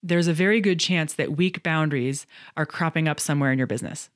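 A woman's voice: sits low, fast talker, no room sound, clean studio sound. A middle-aged woman hosting a solo podcast, talking through book reviews in a candid, chatty way with some self-deprecating humor. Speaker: podcast host and coach.

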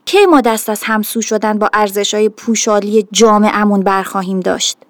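A woman, a mother, calmly telling a reflective first-person story about her daughter. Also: medium pitch, dry recording.

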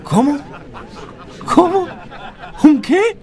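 An actor playing a bitter, sarcastic poor young villager in a radio drama, with an Argentine accent. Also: male voice, very high voice, expressive, drawn-out words, darkish tone, a faint crowd, exaggerated voice. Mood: tipsy, mocking. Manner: sarcastic, argumentative, exclamatory. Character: bitter poor young Galilean man, mocking, hard-drinking.

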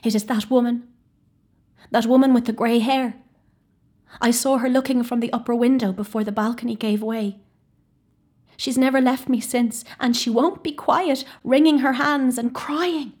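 An injured young boy, delirious and frightened, played by a woman reading aloud. He pleads in a raised, breathy voice and insists on what he sees. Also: fairly high pitch, measured pace, few pauses, pitched above the performer's own voice. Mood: pleading. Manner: excited, pleading.

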